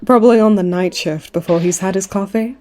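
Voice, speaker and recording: Brisk and natural at a medium pitch, a woman's mellow voice brings to life a smug, flirtatious late-twenties villainess lying in a hospital. The comedic roleplay is teasing in mood, full of mock-sweet, theatrical taunts.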